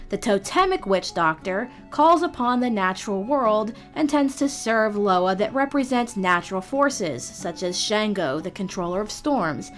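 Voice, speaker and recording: A woman hosting a video guide, reading a scripted explainer in a measured, articulate, instructive way. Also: medium pitch. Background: background music.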